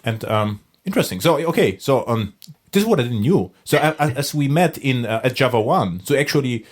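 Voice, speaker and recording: A man in the host's chair with a mid-pitched voice, asking questions in loose, slightly non-native English. He often fills in with short mm-hmms and chats about his own experience. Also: lively intonation, fairly quick. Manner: non-native phrasing, frequent backchannel "mm-hmm". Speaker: podcast host. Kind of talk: casual interview questions.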